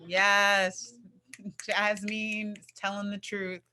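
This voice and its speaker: Bright-voiced upbeat woman host. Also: medium pitch, little pitch movement, slow, slight background noise. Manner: upbeat, encouraging. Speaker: host of a youth poetry reading. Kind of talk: casual presenting over a video call.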